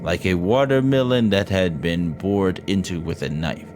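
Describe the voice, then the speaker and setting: A deep-voiced man streams himself reading a ghost story from a visual novel at normal speed, dramatic one moment and tossing off casual, profane asides the next while stumbling over the text. Loud game music plays behind his voice.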